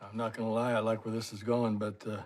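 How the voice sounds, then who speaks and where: An actor playing a sheepish husband in a comedy clip, hesitant and wry. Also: male voice, lowish voice, little pitch movement, moderate pace, lightly acted. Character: sheepish husband caught off guard.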